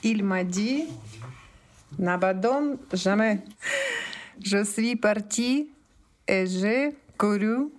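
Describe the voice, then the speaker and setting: A woman learning French, telling a short story haltingly and searching for words, with amusement. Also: mid-range voice. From Ukraine.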